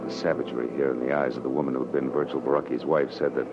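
An American actor playing a wry, world-weary private detective, narrating tersely and dramatically in 1940s radio drama style. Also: male voice, a bass voice, flat delivery, rapid-fire, music in the background. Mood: grim narrating. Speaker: actor narrating as lead character. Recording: noisy, muffled old-time radio recording.

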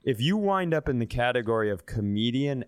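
A man's voice: medium pitch, big pitch swings, a little fast, clear, resonant tone, no echo, clean studio sound. Comedy podcast co-host: man, thirties, clean resonant voice, casual profane storyteller. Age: 30s. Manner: profane, self-deprecating. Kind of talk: casual comic storytelling and banter.

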